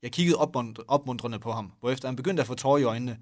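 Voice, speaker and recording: A man reading a story aloud in a mock-dramatic way, joking and laughing with a co-host. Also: mid-range voice. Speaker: podcast co-host reading fan fiction aloud. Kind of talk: comic read-aloud with banter.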